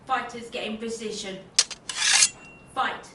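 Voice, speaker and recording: A woman's voice: on the high side, fairly even intonation, slow pace, far from the mic. A woman playing a formal, declaratory arena announcer calling a gladiator fight in an audio play. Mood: commanding. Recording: echoing noisy arena with roaring crowd.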